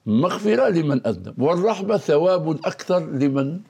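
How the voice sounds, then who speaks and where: Husky, animated male scholar. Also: a little high, fairly quick. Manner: teacherly, quizzes his co-host and quotes verses. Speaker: scholar of Quranic language. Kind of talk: explanatory religious lesson in dialogue.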